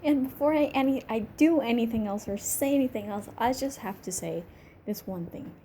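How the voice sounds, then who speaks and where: A woman with a high voice reviews a TV episode in casual, chatty video style. She rants emotionally and keeps stopping and restarting her sentences. Faint noise sits under her voice. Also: normal speed, mellow. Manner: emotional and ranting, with many restarts. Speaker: TV show reviewer.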